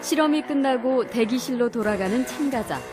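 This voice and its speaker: A woman announcer narrating a documentary in a calm, polished, scripted delivery. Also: on the high side, normal speed. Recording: music playing behind.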